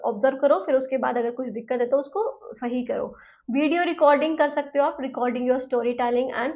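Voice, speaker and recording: High-voiced woman teaching a lecture. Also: muffled recording. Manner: explains in Hindi mixed with English terms, repeats "है ना". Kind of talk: exam-prep lecture.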